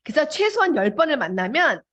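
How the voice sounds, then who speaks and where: A woman giving a seminar talk to an audience. She talks in an animated way and acts out little dialogues in changing voices. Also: sits high, fairly quick, highs cut off. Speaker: motivational speaker.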